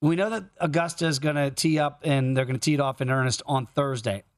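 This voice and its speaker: A man's voice: medium pitch, steady tone, fast, no echo, clean studio sound. A man hosting a live sports betting talk show.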